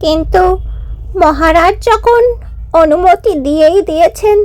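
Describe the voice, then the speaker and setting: A woman's voice: very high-pitched, measured pace, a little mellow, no echo. A woman voicing an anxious, doting queen mother in a cartoon fairy tale, dramatic and emphatic. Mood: worried, reluctant.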